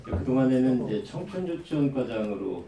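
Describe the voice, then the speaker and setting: A man with a head cold gives a formal, measured press briefing as a government official, reading out official plans. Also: medium pitch, animated, creaky, dull audio. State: has a lingering cold. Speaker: government official, city bureau director. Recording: roomy distant microphone, faint background noise.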